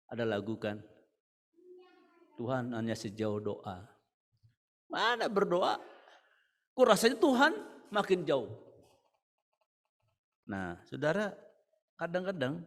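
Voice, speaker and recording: A man preaching a church sermon with an Indonesian accent, piling up rhetorical questions and swinging from loud to hushed. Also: a little high. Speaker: pastor. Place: church hall. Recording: church service with hall reverb.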